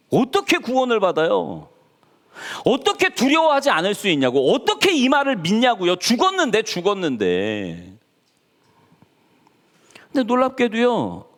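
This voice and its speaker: A male pastor preaching a sermon in a church, talking to the congregation and acting out the people he quotes. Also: sits high. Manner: animated, acts out quoted voices. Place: church sanctuary. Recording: church hall reverb.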